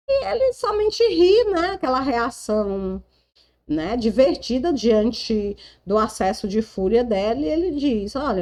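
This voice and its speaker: A woman's voice: on the high side, a little mellow. A woman with a Brazilian Portuguese accent retelling a romance novel in a chatty, casual way, full of tag questions. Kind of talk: casual storytelling.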